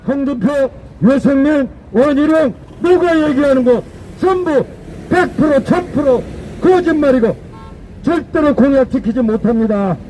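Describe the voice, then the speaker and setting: A man's voice: very high-pitched, unhurried, warm tone, a little hiss or hum, rough recording. A man delivering an emphatic, declamatory political rally speech outdoors, repeating phrases for effect. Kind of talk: fiery political street speech.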